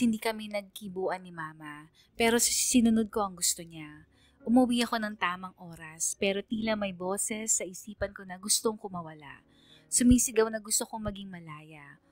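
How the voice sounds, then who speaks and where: A woman's voice: mid-range voice, no room sound, lightly acted. Wounded young gay narrator, dry close sound voiced by a woman. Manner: heartfelt, aggrieved. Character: wounded young gay man confiding his life story. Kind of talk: dramatized first-person radio letter narration.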